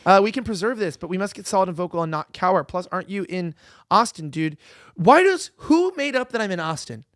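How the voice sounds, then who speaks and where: A man's voice: high-pitched, lively intonation, fast, fairly bright tone, no echo, studio quality. A young man hosting a casual show, rambling and correcting himself as he reads viewer comments. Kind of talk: casual chat.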